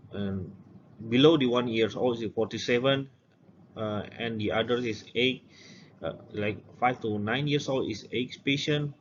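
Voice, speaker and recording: Indonesian-accented man presenting, dull noisy recording. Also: medium pitch. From Medan, North Sumatra, Indonesia. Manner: halting, with repeated words and non-native phrasing. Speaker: doctor presenting research. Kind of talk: scripted academic conference presentation. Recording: dull lo-fi audio with background noise.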